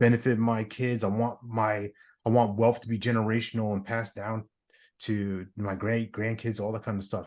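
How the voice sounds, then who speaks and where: At a moderate pace, a man speaks in an American accent at medium pitch with monotone, flat intonation over a quiet background. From New York, Long Island. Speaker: leadership coach. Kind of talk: podcast interview.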